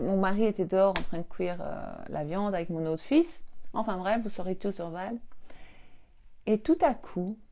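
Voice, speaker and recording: A woman coach with a mid-range voice chats to her live-stream viewers about a family story, keeping it casual. She's expressive, breaks into laughter often, and acts out what people said.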